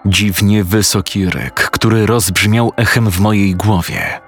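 A man's voice: on the low side, unhurried, a bit bright, soft background music. A man narrating a first-person horror story in a crude, casual, self-mocking way.

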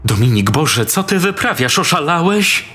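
A man's voice: medium pitch, normal speed, fairly bright tone, soft background music, pitched above the performer's own voice, close to an everyday voice. A man voicing a young woman in a horror story, bewildered and scolding her boyfriend. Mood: alarmed. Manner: pleading, disapproving.

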